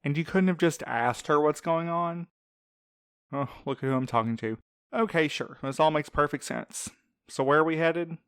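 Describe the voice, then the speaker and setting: A man acts out a sarcastic, good-hearted male coworker in an audio drama. His smooth voice sits a little high and tosses out teasing quips. The sound is close and dry. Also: normal speed, a bit bright, no echo. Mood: wry, skeptical. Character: wry, teasing, supportive male friend and coworker. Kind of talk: fiction podcast audio drama acting.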